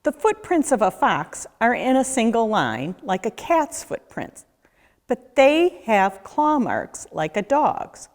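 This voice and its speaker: A woman reading a children's picture book aloud as a nature educator, with a deliberate, questioning storyteller delivery. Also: on the high side, very animated. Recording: echoey room with long reverb.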